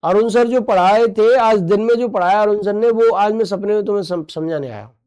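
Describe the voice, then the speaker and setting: A man leads an online exam-prep lesson in a high but mellow voice. He jokes along with students' comments, then drills terms by repeating them and asking quick questions. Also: clear, resonant tone. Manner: playful, joking with students' comments. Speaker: teacher.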